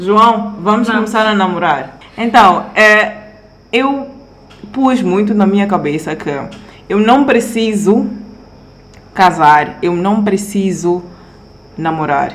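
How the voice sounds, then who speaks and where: In a room with audible echo, a woman speaks very slowly with long, frequent pauses and ordinary pitch variation. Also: medium pitch for a woman. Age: 20s. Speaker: podcast co-host. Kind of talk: casual chat. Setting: recording on a year-end trip.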